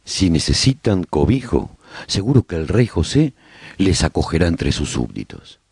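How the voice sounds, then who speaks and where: A man narrating a radio drama as an earnest, resolute survivor chronicling his colony in a solemn, deliberate way. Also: low voice, big pitch swings, vocal fry, a little mellow, breathy edge, dry recording, studio quality, full character voice. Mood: solemn, inviting.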